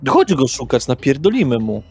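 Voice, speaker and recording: A brash young party animal, acted by a man in a tabletop horror game. The voice swings wildly in pitch, full of cocky slang and swearing. Faint music plays behind. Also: big pitch swings, moderate pace, darkish tone, breathy edge. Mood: boastful, rowdy. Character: brash, euphoric young party guy, freshly turned vampire. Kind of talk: improvised tabletop roleplay acting.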